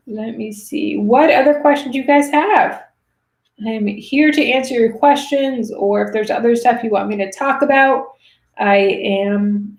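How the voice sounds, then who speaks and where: A woman in her thirties hosting a casual livestream, chatting and reading viewer comments, her voice going raspy. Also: a little high, darkish tone. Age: 30s. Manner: chatty, reads viewer comments, many fillers. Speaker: livestream host answering money questions. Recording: roomy echo.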